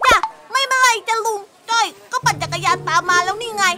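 A woman's voice: very high voice, voice pushed up. A woman doing a cheeky young nephew. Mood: sweet. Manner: whiny, defensive, quick to argue. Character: child nephew, cheeky and talkative. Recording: music playing underneath.

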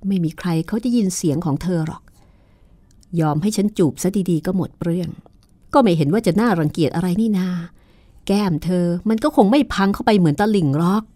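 A woman's voice: on the low side, expressive, fairly quick, dark tone, no room sound. Smug lecherous young man, taunting, leering, storybook villain, read by a woman, dry close sound.

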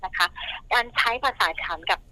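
A woman speaking gently and explaining parenting tips in a casual podcast chat, now and then acting out short quoted lines. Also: moderate pace, low-quality recording. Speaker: parenting expert guest.

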